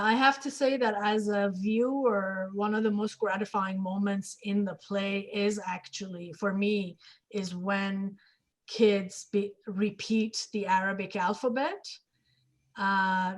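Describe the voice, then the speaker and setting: Female moderator, mid-range voice, slow and deliberate, pausing between phrases in a conversational interview. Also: mid-range voice.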